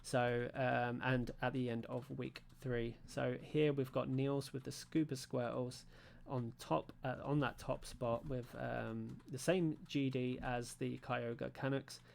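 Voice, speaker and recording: A man's voice: fairly even intonation, takes it slowly, gravelly, few pauses, a little hiss or hum. A man from Britain hosting a league stream recap in a casual, rambling way, full of fillers and restarts. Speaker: league show host. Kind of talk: casual stream wrap-up commentary. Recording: low-volume audio from his end.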